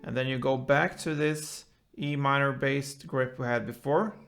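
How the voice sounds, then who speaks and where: A man with a creaky voice guides a guitar tutorial step by step. He talks slowly and informally, in short phrases with pauses, with light acoustic guitar around his words. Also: mid-range voice, fairly even intonation, fairly bright tone. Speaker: guitar teacher, host. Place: indoors, small room, seated with guitar. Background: acoustic guitar playing.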